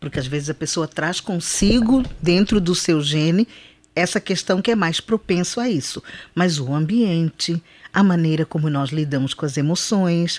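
Lively intonation carries this voice at a fairly slow pace. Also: woman. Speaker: clinical psychologist. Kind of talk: radio interview. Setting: radio studio.

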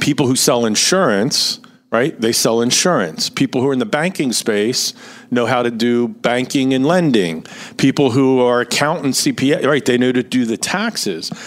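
A man speaks in a plain, everyday voice at a medium pitch. His intonation is lively, his pace moderate, and his loudness very even. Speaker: financial advisor. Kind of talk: radio show discussion.

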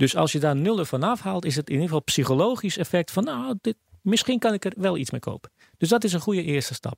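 Talking at a very fast pace with very wide pitch swings, a man is heard in a dry, close sound with no echo on a very clean recording with a silent background. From former Yugoslavia. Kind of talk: interview.

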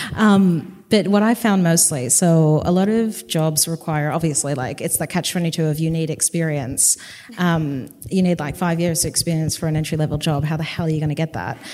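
A woman with an Australian accent talks at a fairly quick pace. Her pitch is fairly low, with ordinary pitch variation. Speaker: editor. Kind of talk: panel discussion.

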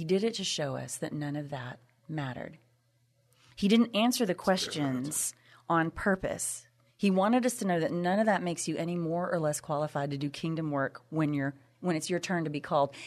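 Against a quiet background, a woman with a Texan accent talks at a moderate pace with a fairly low pitch and lively intonation. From Texas. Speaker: women's ministry teacher. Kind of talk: casual chat. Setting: studio. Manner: laughs often.

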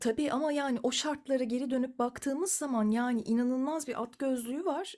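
A woman speaks at a moderate pace in a high voice with a dark, mellow tone, on a very clean recording with a silent background. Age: 30s. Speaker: clarinetist. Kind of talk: interview.

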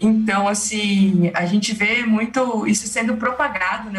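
Over noticeable background noise, a woman speaks at a medium pitch. Her intonation stays fairly even. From interior of São Paulo state, Brazil. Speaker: animal scientist and agribusiness communicator. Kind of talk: casual interview chat.

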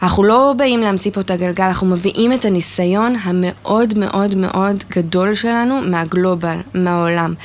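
A woman with a plain, everyday voice speaks at a medium pitch and a moderate pace, with ordinary pitch variation and very even loudness. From Israel, Jerusalem. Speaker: marketing technology consultant. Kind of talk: podcast interview.

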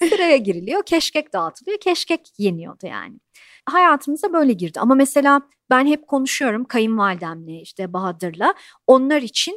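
Very wide pitch swings from a high-pitched woman at a moderate pace, dry and close with no echo, in a very clean recording with a silent background. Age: 40s. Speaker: restaurant founder and chef. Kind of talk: casual chat.

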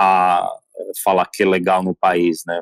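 In a Slovak accent, a man with a very deep, low pitch speaks at a fairly slow pace, the sound dry and close with no echo. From Slovakia. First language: Slovak (speaking Portuguese). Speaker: entrepreneur, gin brand founder. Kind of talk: interview. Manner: halting.

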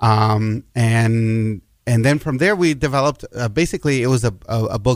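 A man talks in an unremarkable speaking voice at a medium pitch. His pace is moderate and his pitch varies in an ordinary way. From El Paso, Texas. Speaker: food writer and web series creator. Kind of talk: interview.

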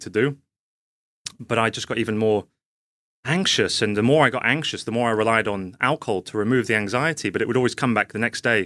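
On a very clean recording with a silent background, a man with an English accent speaks at a very fast pace at medium pitch with ordinary pitch variation, his bright, sharp tone dry and close with no echo. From English countryside. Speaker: sober coach. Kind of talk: casual chat.

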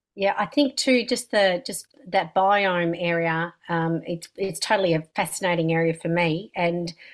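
A woman's fairly low voice with ordinary pitch variation, in an Australian accent, on a very clean recording with a silent background. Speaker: podcast host, health coach. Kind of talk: interview.

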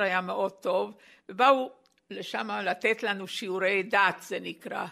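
In a very clean recording with a silent background, a woman of medium pitch has a bright, sharp tone with vocal fry. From Slovakia, Bratislava. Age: 80s. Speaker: Holocaust survivor. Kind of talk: testimony. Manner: halting.

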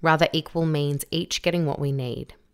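A woman with an Australian accent talks at a moderate pace. Her pitch is very deep and low. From Victoria, Australia. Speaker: podcast host. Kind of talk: casual interview.

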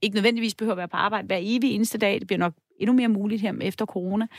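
Her pitch is fairly high. The one talking is a woman. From Denmark, Møn. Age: 50s. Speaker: think tank director. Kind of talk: radio panel discussion. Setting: radio studio.

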